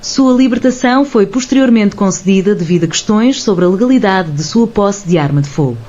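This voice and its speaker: News narrator, even scripted read, lo-fi audio, no drama. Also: mid-range voice.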